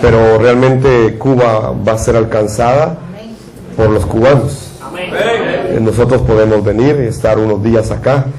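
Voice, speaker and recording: A man's voice: fairly low pitch, dark tone, rough recording. A man from Guatemala, a preacher giving a sermon and leading a prayer with a repetitive, fervent cadence.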